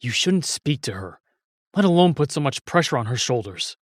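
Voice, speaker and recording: A dutiful royal protector played by a man in a fantasy audio drama. He has a medium-pitched voice with lively movement in it. He speaks firmly and earnestly, recorded close and dry. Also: moderate pace, dry recording. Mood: suspicious, stern.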